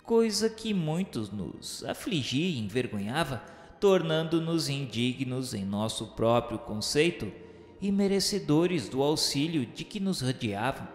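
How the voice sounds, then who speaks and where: A man's voice: mid-range voice, big pitch swings, measured pace. A Brazilian man playing a remorseful male spirit who narrates a radio novela in solemn, formal, literary diction. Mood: solemn, reverent. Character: remorseful male spirit of a suicide recalling the afterlife. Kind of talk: dramatized first-person narration of a radio novela. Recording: echoey hall reverb with music.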